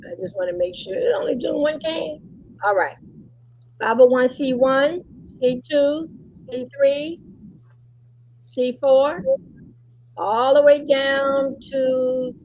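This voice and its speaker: This Cleveland, Ohio woman's voice sits high and slightly mellow as she leads an informal webinar about nonprofits, repeating herself and checking in often while she teaches. The sound is lo-fi, with faint background noise on the call.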